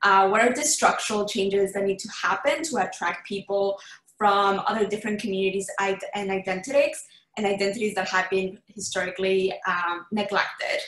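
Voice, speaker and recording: A woman's voice: medium pitch, fairly even intonation, moderate pace, a bit bright, roomy sound, poor audio. A woman from Ecuador speaking as a panelist on a video call, hesitant, with many fillers and restarts. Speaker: panelist, student organizer. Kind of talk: online panel talk.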